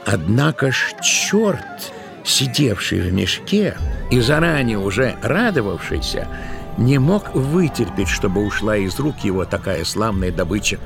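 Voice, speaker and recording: A man narrating a literary tale in an expressive, theatrical storytelling style. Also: on the low side, a little slow, vocal fry. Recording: music behind the narration.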